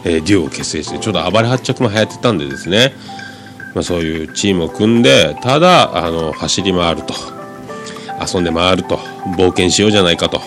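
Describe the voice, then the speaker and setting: A man's voice: sits low, lively intonation, fast, over music. A man with a Fukuoka accent and a nasal, stuffed-up voice from a cold, hosting a podcast in casual, rambling talk. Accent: Fukuoka Japanese. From Fukuoka, Japan. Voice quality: nasal, congested voice. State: has a cold. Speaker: podcast host.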